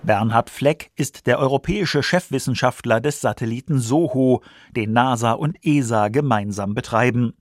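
A man's voice: mid-range voice, normal speed, few pauses, no echo. A man reading scripted science documentary narration for a radio feature.

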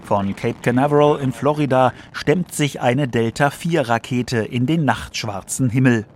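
A man's voice: mid-range voice, a little slow, a little hiss or hum. A man reading scripted science documentary narration for a radio feature.

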